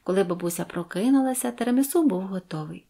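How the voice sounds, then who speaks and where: A woman narrating a Christmas fairy tale in the first person, gentle and expressive. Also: mid-range voice, fast, creaky. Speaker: audiobook narrator. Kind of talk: storytelling narration.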